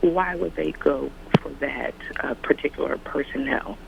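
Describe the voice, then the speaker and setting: A man phones in to a talk program and works through his point in a rambling, halting way. His voice has a heavy gravelly fry and sits a bit high for a man. The line is dull and lo-fi, with faint noise behind him. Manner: rambling, hesitant, full of ums. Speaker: caller. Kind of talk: phone-in call.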